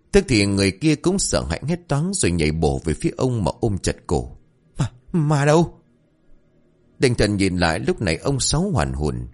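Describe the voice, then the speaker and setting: A man narrating a village story in an expressive storytelling manner. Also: on the low side. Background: faint background music.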